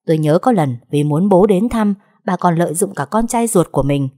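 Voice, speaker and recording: A woman reads a first-person audiobook story in a steady, even storytelling manner. Her voice is low and dark, with a mellow, relaxed tone. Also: fairly quick, no echo, clean studio sound. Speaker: story narrator. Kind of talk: audiobook narration.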